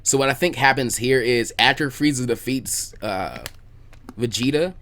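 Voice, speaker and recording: A man with a medium-pitched voice hosts a relaxed, informal podcast discussion. He speaks haltingly, often doubling back on words while he works out his thought. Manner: halting, repeats words as he thinks aloud. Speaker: podcast host. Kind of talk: casual chat about anime what-if scenarios.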